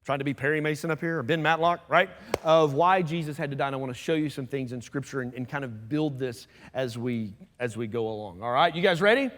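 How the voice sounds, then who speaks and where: A man preaching a sermon as pastor, talking fast and conversationally with asides to the congregation. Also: medium pitch, a bit bright. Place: church sanctuary. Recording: long church hall reverb.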